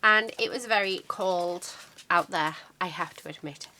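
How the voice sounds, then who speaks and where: A woman's voice: on the low side, unhurried, noisy background. A middle-aged woman with a cold, chatting casually and rambling as she shows a craft magazine on her channel. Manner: chatty, rambling, many fillers. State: congested from a cold. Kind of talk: casual chat showing a magazine.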